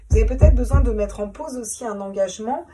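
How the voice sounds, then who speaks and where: A woman's voice: fairly high pitch, fast talker, distant mic, music in the background. Chatty woman reading tarot. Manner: chatty, repeats words, laughs at herself. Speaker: tarot reader. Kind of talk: casual tarot reading to camera.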